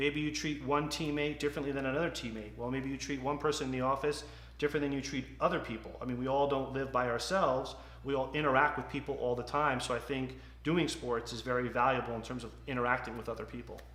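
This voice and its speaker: A man with a medium pitch and vocal fry talks at a very fast pace in a flat monotone, with audible room echo. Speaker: magician. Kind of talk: interview. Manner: articulate.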